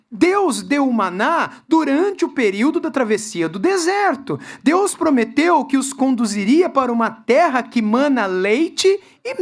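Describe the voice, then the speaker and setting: A man, preaching a sermon at a church congress and putting lively rhetorical questions to the congregation. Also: extremely high pitch, creaky. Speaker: guest preacher.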